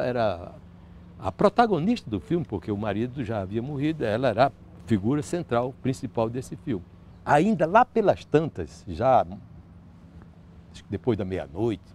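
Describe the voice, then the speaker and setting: An older man with a Northeastern Brazilian accent, telling a personal story in an interview with lively gestures and frequent restarts. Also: mid-range voice, a little hiss or hum. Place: outdoor terrace by a park. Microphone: lapel mic.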